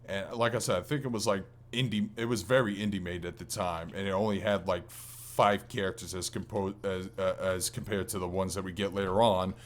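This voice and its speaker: A man with a fairly low-pitched voice co-hosts a gaming podcast. He talks in a casual, colloquial way, with clear enthusiasm and the odd mild swear word. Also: steady tone, brisk, hardly any pauses. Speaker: podcast co-host.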